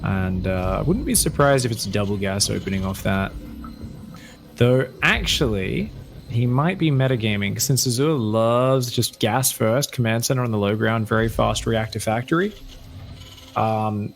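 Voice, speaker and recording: A man casting a live esports match with energetic, hyping play-by-play and frequent fillers. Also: lowish voice, moderate pace, creaky. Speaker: esports caster.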